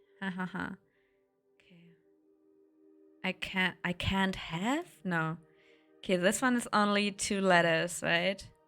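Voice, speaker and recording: A woman at a very slow pace, with long, frequent pauses, big swings in loudness and music in the background. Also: medium pitch for a woman, fairly even intonation. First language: not English. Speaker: game studio marketing person hosting a dev stream. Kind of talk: casual livestream chat while playing a game.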